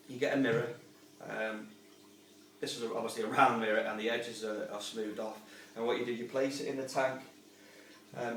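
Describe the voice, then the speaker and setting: Flat-voiced man talking from across a room. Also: mid-range voice, slight background noise. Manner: rambling, informal, chatty. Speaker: aquarium hobbyist and channel host. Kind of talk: casual how-to explanation. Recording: roomy, distant sound with faint ambience.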